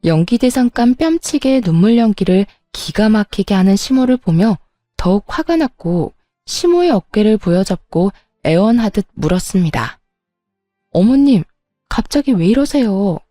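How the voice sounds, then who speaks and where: A woman tells a first-person story in scripted narration with an indignant edge. Her voice is mellow and warm, recorded dry and close. Faint music plays behind her. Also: mid-range voice, expressive, normal speed, no echo.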